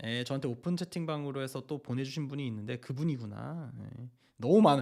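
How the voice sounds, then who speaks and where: Very clean audio of a male speaker against total background silence. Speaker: online mentor and engineering lecturer. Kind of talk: mentoring session, casual advice chat. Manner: frank, somewhat sharp tone.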